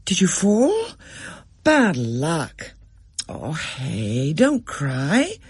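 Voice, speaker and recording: A reader voicing a sensible, bossy schoolgirl who takes charge of her friends, in a husky voice. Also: mid-range voice, wildly swooping pitch, drawn-out words, no room sound, studio quality, pitched above the performer's own voice, exaggerated voice. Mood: concerned.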